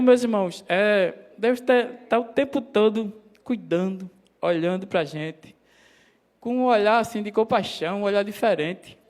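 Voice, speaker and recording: A man preaching a sermon in a church, calling the listeners his brothers and voicing God's words in a lower tone. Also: a little mellow. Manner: addresses congregation as brothers, quotes God in a lowered voice.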